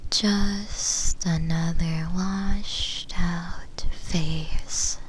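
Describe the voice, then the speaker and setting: Very slow whispering shadow demon, acted by a woman. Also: on the low side, fairly even intonation, a little hiss or hum. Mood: melancholy. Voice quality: breathy whisper. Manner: hesitant, drawn-out, pausing between phrases. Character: lonely, yearning, possessive female shadow demon. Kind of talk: whispered ASMR roleplay, slow intimate monologue.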